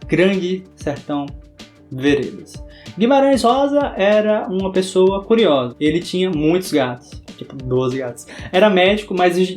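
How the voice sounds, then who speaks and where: Young guy, high voice, bahian sertanejo accent, dramatic scripted narration, soft guitar behind. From interior of Bahia, Brazil. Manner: dramatic, theatrical delivery. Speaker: book vlogger. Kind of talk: scripted video essay narration.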